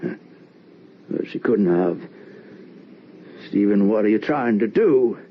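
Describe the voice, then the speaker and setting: An actor playing a nervous, evasive middle-aged widowed father in an old-time radio drama, halting and stammering in agitation. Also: lowish voice, lively intonation. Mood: weary, evasive. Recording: dull, noisy old radio recording.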